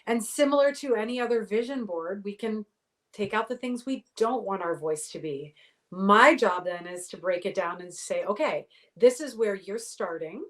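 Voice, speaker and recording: Middle-aged woman expert, clear and explanatory, mid-range voice. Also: mid-range voice, normal speed. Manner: articulate, explanatory, uses athletic analogies. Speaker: voice pathologist guest. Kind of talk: interview answers.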